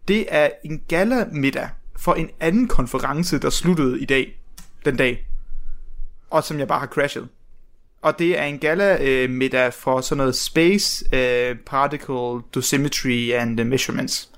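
A man's voice: mid-range voice, fairly bright tone. A young man telling a long anecdote in casual podcast chat, rambling with many restarts and frequent laughter. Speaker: podcast guest, researcher.

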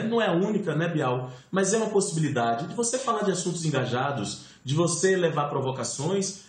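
A man from Salvador with a Bahian accent, an actor talking animatedly as a guest on a talk show. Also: fairly high pitch. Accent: Bahian Portuguese. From Salvador, Bahia, Brazil. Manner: animated storyteller, expressive swings. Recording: roomy echo.

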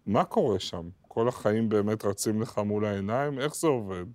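A man hosting a podcast, asking interview questions in a calm, measured way. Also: fairly low pitch. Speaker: podcast host.

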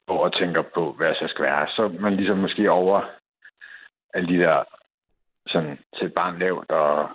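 A man's voice: low-pitched, steady tone, husky. A man calling in to a radio show, hesitant and self-deprecating, with many fillers. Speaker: caller. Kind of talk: call-in radio chat. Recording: tinny phone line.

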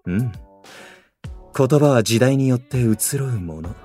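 A bookish idol dude, super formal old-timey way of talking, anime audio drama, faint music. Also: male voice, medium pitch, expressive, a little slow, dark tone, slightly rough. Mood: refined, instructive. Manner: formal, old-fashioned, scholarly wording. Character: young man idol who speaks archaic, literary, refined Japanese. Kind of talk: anime-style voice drama acting.

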